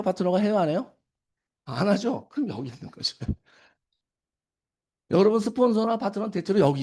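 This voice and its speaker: A middle-aged man lecturing at a business seminar. His voice sits high and his talk runs quickly. He keeps firing questions at his listeners and answers them himself, and he acts out scolding lines when he quotes people. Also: darkish tone. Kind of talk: lecture to an audience.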